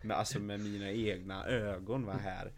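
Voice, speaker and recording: A young Swedish man chatting casually as host, swearing freely and telling lively stories. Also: fairly low pitch, slight background noise. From Sweden. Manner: swearing, animated storyteller. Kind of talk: casual chat.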